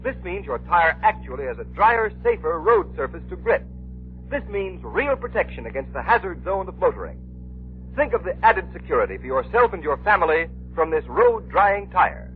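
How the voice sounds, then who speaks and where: A man's voice: high-pitched, very animated, moderate pace, a little hiss or hum. A man announcing and reading a persuasive commercial in 1930s radio style. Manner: persuasive, emphatic. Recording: tinny 1930s radio recording.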